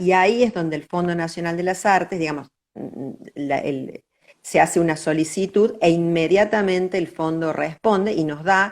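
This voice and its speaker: With a Córdoba Argentine accent, a woman speaks in a fairly low voice at a fairly slow pace. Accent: Cordoba Argentine Spanish. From Córdoba, Argentina. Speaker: dancer and choreographer. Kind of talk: interview answer. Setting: video call.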